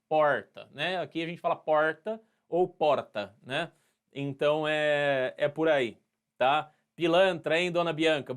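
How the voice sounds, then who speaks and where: A man's voice: on the high side, clean tone. A man with an interior São Paulo accent, teaching a live history class in a playful, chatty way, acting out little scenes and greeting students by name. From Brazil.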